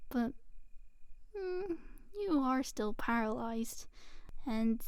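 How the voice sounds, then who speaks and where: A woman playing a gentle, teasing sleep paralysis demon in an ASMR roleplay, soothing and intimate, talking softly and unhurriedly, now and then slipping into a whisper. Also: fairly high pitch, animated, extremely slow, clear, resonant tone, no room sound, full character voice. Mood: tender, playful. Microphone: close microphone.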